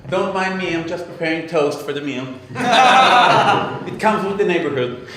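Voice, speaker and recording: A man plays a meek, polite neighbor with a high, sing-song voice. He defers at once. The recording is echoey, with loud music behind him. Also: animated, measured pace. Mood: apologetic. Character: meek male neighbor making toast.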